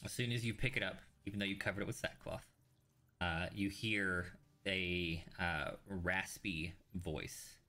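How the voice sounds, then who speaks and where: A man narrating a tabletop fantasy game as game master, in a halting, improvised way. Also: low voice, fairly even intonation, sharp tone.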